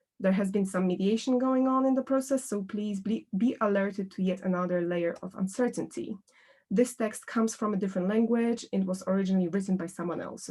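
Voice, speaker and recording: Somewhat breathy and with a Polish accent, a woman speaks at a fairly quick pace with hardly any pauses, a medium pitch and ordinary pitch variation. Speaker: academic researcher. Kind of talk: lecture.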